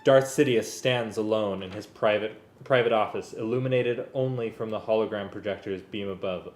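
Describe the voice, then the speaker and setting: A man reading a script aloud and directing a music rehearsal. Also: medium pitch. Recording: echoey room, loud live string music. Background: loud violin and string music.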